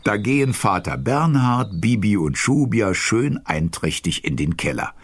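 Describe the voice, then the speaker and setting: A man playing the genial narrator of a children's audio drama, expressive and chatty, with a gravelly voice. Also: lowish voice, measured pace, full character voice. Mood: amused, satisfied. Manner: expressive, chatty, fond of his listeners. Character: genial male narrator of a children's witch story. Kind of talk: lively storybook narration.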